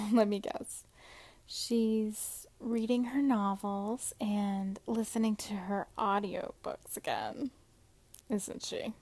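A woman performing an intimate audio roleplay close to the mic, teasing and soft-spoken, often dropping into a whisper. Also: mid-range voice, slow, dry recording.

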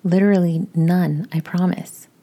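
A woman's voice: fairly low pitch, steady tone, measured pace, mellow. A woman whispering as a shy, nervous son. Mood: sheepish. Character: adult son, nervous and eager.

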